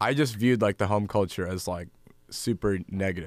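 With a Canadian accent, a man with a plain, everyday voice talks at a fairly quick pace and fairly low pitch. His pitch variation is ordinary, and the recording is very clean with a silent background. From Canada (Barrie, Ontario). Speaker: Bible college student. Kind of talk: interview testimony.

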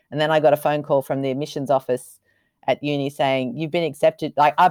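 With an Australian accent, a woman talks at a very fast pace and a very deep, low pitch. The sound is dry and close, with no echo. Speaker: missionary. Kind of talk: interview testimony. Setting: remote call from Japan.

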